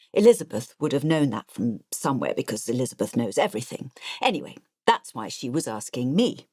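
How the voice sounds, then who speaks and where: A woman's voice: sits low, no echo, clean studio sound. A woman voicing an artless, chatty retired nurse in her later years, narrating an audiobook in an English accent, confiding and matter-of-fact as she digresses. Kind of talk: audiobook first-person narration.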